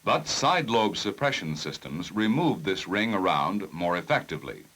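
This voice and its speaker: Male narrator for vintage 1960s technical training film; lowish pitch, lively inflection, measured formal delivery, careful enunciation.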